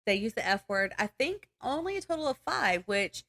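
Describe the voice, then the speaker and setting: A woman's voice: fairly high pitch, sing-song, normal speed, a bit bright. A woman podcast co-host chatting casually about books in a rambling, giggly way. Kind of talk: casual book chat.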